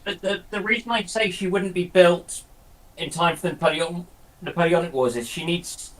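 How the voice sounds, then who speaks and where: Higher-pitched man chatting casually. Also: normal speed, a bit bright, poor audio. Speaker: panelist. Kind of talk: casual discussion.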